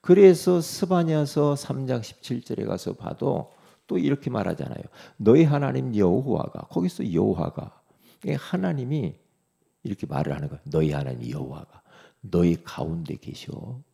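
A male pastor delivers an animated sermon with a heavily gravelly, husky voice. His tone is dark and low, and his pitch leaps around as he speaks God's reassurances straight to the listener, rising to loud exhortation and dropping to soft, near-whispered comfort. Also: normal speed.

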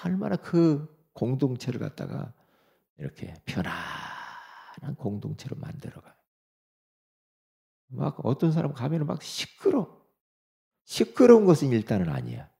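A middle-aged male pastor preaching a sermon, swinging between soft asides and loud exhortation. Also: medium pitch, wildly swooping pitch, measured pace, vocal fry, pauses often.

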